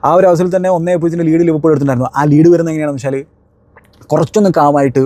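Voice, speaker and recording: A man's voice: on the high side, steady tone, rapid-fire, dark tone, dry recording. A man reviewing a football match in a conversational analyst style, breaking into emphatic exclamations.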